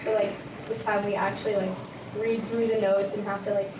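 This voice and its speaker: A woman's voice: medium pitch, little pitch movement, a little fast, background noise. A teenage female student with an American accent, talking casually in a class discussion. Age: teens. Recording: echoey, distant, music over voice.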